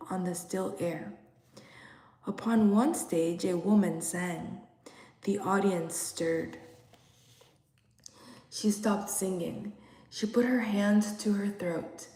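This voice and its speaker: A woman reading a literary story aloud in an expressive, measured way, with dramatic hushed touches. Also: mid-range voice. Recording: roomy, echoing room sound.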